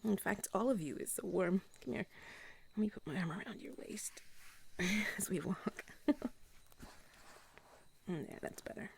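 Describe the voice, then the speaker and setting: Woman acting breathy, intimate companion in whispered role-play. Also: medium pitch, measured pace, pauses often, exaggerated voice. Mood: tender, soothing. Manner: intimate, soft, breathy and giggly. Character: affectionate, playful female companion on a moonlit walk.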